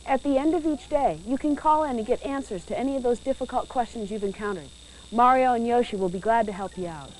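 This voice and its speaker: A woman with a slightly high voice narrates a training video, clear, measured, and instructive, with a somewhat mellow tone. The poor audio comes from a worn VHS copy with faint hiss in the background.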